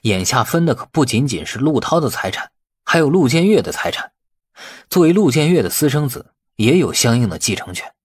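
A man's voice: medium pitch, very animated, a little fast, slightly rough. A man voicing a brash, irritable, defensive man who grumbles colloquially in an audiobook. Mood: explaining. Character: brash, irritable man in a family inheritance feud. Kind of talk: audiobook character acting.

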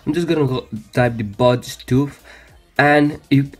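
A man's voice: medium pitch, steady tone, measured pace. A man hosting a casual phone how-to, stumbling and repeating his phrases as he goes. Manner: hesitant, repetitive phrasing with frequent stumbles. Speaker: tech tutorial host. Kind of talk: casual how-to screen demonstration. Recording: music behind, some background noise.

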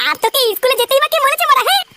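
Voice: extremely high pitch, lively intonation, very fast, very noisy. An actor playing a foul-mouthed, boastful little father in a comic cartoon dub, blustering and quarrelsome. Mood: angry, defiant. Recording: loud music behind the voice.

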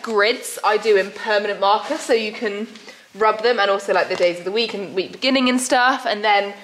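A woman's voice: medium pitch, fairly bright tone, a little hiss or hum, rough recording. A young woman chatting casually in a horse barn, bubbly and full of fillers, filmed close on a handheld camera. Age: young adult. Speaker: horse rider vlogger. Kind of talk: casual vlog chat.

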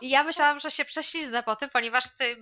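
Woman with high voice, musing aloud. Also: fast, dry recording, muffled recording. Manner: thinking aloud with hesitations, addresses listeners as dear ones. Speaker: clairvoyant co-host answering viewer questions. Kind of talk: casual studio chat.

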